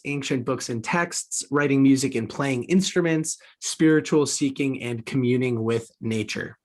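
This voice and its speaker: Man, podcast host, conversational interview style, articulate, upbeat, mid-range pitch.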